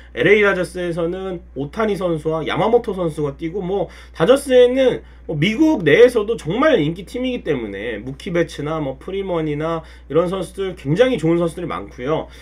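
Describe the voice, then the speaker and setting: Speaking at a fairly quick pace, a man with a high pitch uses lively intonation. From South Korea. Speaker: baseball YouTuber, fan commentator; baseball channel host. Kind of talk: solo commentary video.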